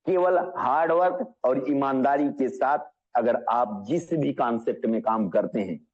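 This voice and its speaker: A man giving an energetic motivational business session, asking the audience questions and calling them friends. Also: mid-range voice, dull audio.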